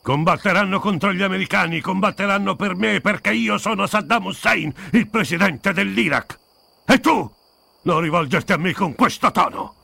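A proud, defiant deposed leader in a documentary dub, his gravelly voice low-slung yet sharp and forward. He speaks in a haughty, self-glorifying way, an older man refusing to be humbled. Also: moderate pace, heavily acted. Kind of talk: documentary dubbing voice-over.

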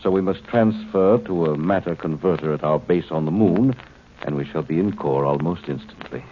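An actor playing a coolly superior alien commander in human form, speaking formally and condescendingly in a 1950s radio drama. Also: male voice, deep voice, close to an everyday voice. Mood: lofty explaining. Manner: formal, condescending, measured explanations. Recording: tinny, noisy 1950s radio recording.

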